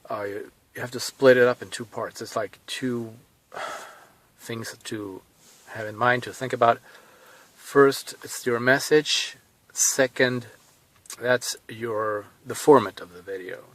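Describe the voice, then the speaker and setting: A man in his thirties with a Swedish accent, talking casually to camera from inside a car, thinking aloud with pauses and restarts. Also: mid-range voice, fairly even intonation, a bit bright. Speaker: vlogger.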